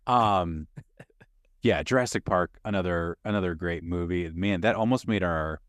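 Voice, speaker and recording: A man in his thirties with a low, unhurried voice co-hosts a movie podcast, rambling, laughing, and letting sentences trail off. It's casual film chat recorded with studio quality and no room sound.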